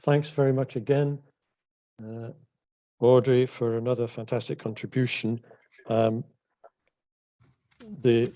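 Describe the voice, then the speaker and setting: Slow, mellow-voiced male moderator. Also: fairly low pitch, muffled recording. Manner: measured, thanking and summarizing. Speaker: panel moderator. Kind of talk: online panel discussion.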